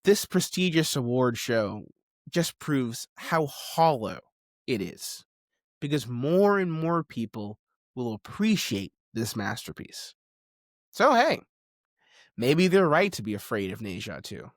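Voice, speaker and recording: A man's voice: medium pitch, very animated, takes it slowly, no room sound, studio quality. A man delivering opinionated video essay commentary in a conversational, insistent way, with informal asides. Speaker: commentator on film and animation.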